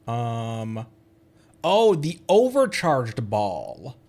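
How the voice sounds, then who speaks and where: A man's voice: medium pitch, big pitch swings, very slow, darkish tone. A man hosting a game livestream, chatting casually with viewers and rambling as he thinks aloud. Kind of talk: casual gaming chat with viewers.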